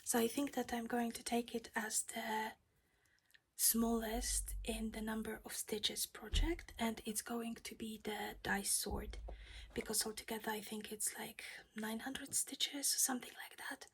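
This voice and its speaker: A woman's voice: on the high side, flat delivery, unhurried, slightly rough. A woman whispering her way through a casual cross-stitch project chat at home while losing her voice.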